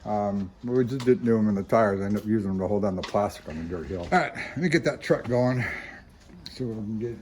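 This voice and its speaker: A man's voice: on the low side, quick pace, a little mellow. A middle-aged man chatting casually as a homestead vlogger, a rambling, chuckling storyteller talking outdoors on a farmstead into a camera mic. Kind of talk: casual chat. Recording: outdoor vehicle noise.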